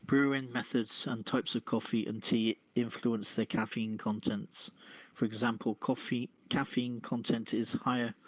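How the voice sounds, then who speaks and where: Flat-toned male podcast host, dull audio. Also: on the low side, no echo. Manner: stumbles over words while reading. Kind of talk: reading news aloud with casual commentary.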